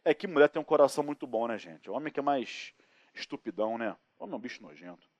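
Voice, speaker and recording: A man with a Brazilian accent lecturing on criminal law, lively and joking, acting out anecdotes and asking rhetorical questions in a recorded course. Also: mid-range voice, fast, no echo, lo-fi sound. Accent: Brazilian Portuguese.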